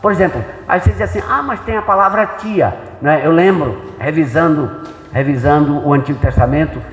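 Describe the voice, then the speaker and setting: A man's voice: fairly high pitch, fairly quick. A man with a Brazilian Portuguese accent giving an informal church lecture, explaining things conversationally and checking in with rhetorical questions. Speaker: pastor and Bible translator giving a talk. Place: church hall. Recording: echoey hall with long reverb.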